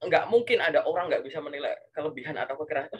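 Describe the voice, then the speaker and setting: A man giving casual career coaching, animated and full of rhetorical questions and filler tags. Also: fairly high pitch, very fast, slightly rough, highs cut off.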